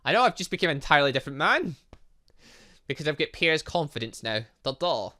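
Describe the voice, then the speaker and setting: A man giving let's play commentary on a game, excitable and reactive, reading dialogue aloud as he goes. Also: on the high side, quick pace. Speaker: gaming channel host.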